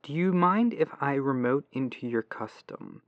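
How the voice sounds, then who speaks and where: A man acting as a polite, patient tech support agent in a soft-spoken ASMR roleplay, musing aloud over a lo-fi telephone line. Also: medium pitch, expressive, a little hiss or hum. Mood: focused, polite. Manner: unhurried, pausing, courteous, musing aloud. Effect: lo-fi telephone filter.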